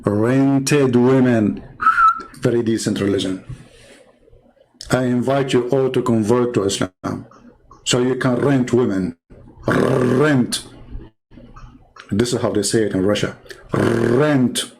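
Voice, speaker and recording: A man's voice: mid-range voice, a little slow, long pauses, darkish tone, rough recording. A middle-aged man giving sarcastic commentary in broken English, reading from a website and mocking what he reads. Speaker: online religious debater.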